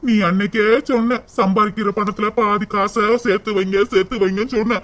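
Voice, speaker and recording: A man's voice: sits high, steady tone, brisk, a bit bright. A man voicing a poor young cartoon husband who blames himself and laments through tears. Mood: sorrowful. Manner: sobbing, pleading lament. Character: poor young husband, tearful and self-blaming.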